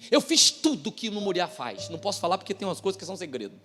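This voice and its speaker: Male pastor, high-pitched, testifying emphatically, shifting from loud bursts to near-whispers; church hall with long reverb. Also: very animated, racing. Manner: emphatic storytelling, swinging between loud outbursts and hushed asides. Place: church service.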